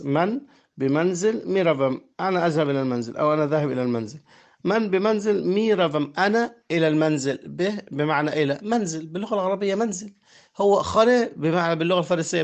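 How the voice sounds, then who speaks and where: A man with an Egyptian Arabic accent, his voice sitting a little high, teaches a grammar lesson. He walks his students through each verb form, repeats the forms slowly and often stops to check that they follow. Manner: explaining step by step, repeating forms, checking with "تمام؟".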